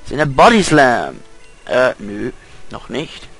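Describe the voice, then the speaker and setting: A man's voice: mid-range voice, very animated, slow pace, vocal fry, fairly bright tone, breathy edge, soft background music. A young man doing casual let's play commentary, reading game text aloud with sarcastic asides. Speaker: let's player.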